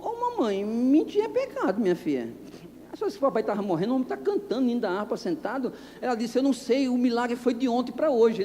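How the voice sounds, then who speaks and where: A male pastor with a strikingly high voice tells a sermon story, acting out every exchange and breaking into shouts. His voice rings through a church hall with a long, trailing reverb. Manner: animated, acts out dialogue, bursts into shouts. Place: church anniversary service.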